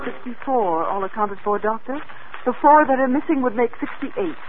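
An actress playing an anxious, dutiful hospital nurse in a 1950s radio drama. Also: female voice, on the high side, lively intonation, normal speed, close to an everyday voice. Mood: worried. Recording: tinny, very noisy old radio.

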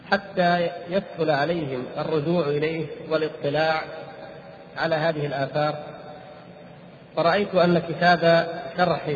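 A man delivering a formal Islamic lecture, reading and explaining a text in a deliberate way, pausing between short phrases. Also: a little high. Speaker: religious lecturer. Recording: echoey reverberant hall, muffled, faint noise.

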